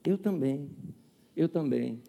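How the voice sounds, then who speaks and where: Lively pastor in his fifties, echoing hall. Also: fairly high pitch, slow, creaky. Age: 50s. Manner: conversational, humorous, often asks the audience. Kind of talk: sermon with personal story.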